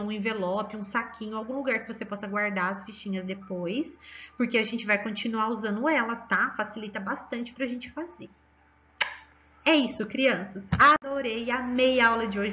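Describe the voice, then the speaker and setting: A woman's voice: a little high, pushed and bright, highs cut off. A Brazilian woman in her thirties teaching a remote math lesson to young children in a cheerful, coaxing way. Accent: Brazilian Portuguese. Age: 30s. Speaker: primary school teacher.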